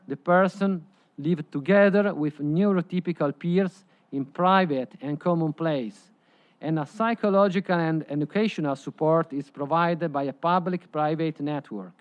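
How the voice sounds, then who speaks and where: Man presenting in halting non-native English. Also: a little high, dull audio. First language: Italian. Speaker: presenter at a conference side event. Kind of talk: prepared presentation.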